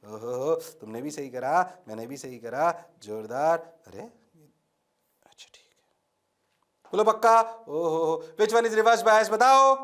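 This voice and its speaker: An energetic male teacher lecturing a classroom with a high, bright voice. He keeps pressing the students for answers and teases them playfully. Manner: energetic, coaxing questions to the class; playful, teasing. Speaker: physics teacher.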